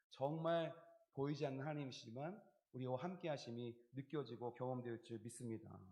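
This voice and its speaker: A male pastor preaching in a fairly high voice, telling a personal story with vivid acted-out inner thoughts. The sound is roomy, with the echo of a church sanctuary carrying each phrase. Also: a bit bright. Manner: storytelling, acting out his own inner dialogue and singing hymn lines. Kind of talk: sermon. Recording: echoey church hall recording.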